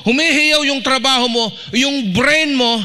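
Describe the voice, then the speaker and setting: A middle-aged man from the Philippines, a pastor preaching a lively sermon in a church and acting out little everyday scenes. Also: extremely high pitch, measured pace.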